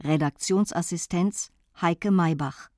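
Female radio announcer for drama credits, lowish voice, deliberate pace, music behind. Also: mellow, no echo. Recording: studio announcement over music. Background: instrumental music.

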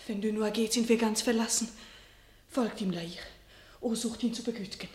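An actress playing a gentle, anxious lady of the royal court in a classical verse radio drama, earnest and pleading. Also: on the high side, steady tone, normal speed, roomy sound, close to an everyday voice.

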